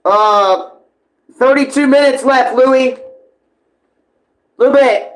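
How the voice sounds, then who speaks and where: A man's voice: extremely high pitch, slow pace, rough recording. A man giving casual live reaction commentary, slangy, exclamatory and full of swearing. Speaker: reaction streamer.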